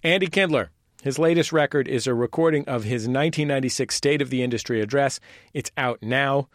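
A man's voice: medium pitch, fairly quick, no room sound, clean studio sound. A man in his thirties hosting a radio show with scripted narration. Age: 30s. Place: dry studio.

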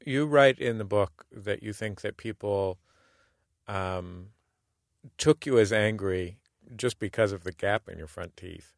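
A man's voice: fairly low pitch, measured pace, vocal fry, no room sound, studio quality. A male interviewer asking curious, casual questions.

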